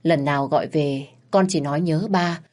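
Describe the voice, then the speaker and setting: A woman narrating a family drama in a gentle, sympathetic storytelling manner. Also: low voice, normal speed. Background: faint music.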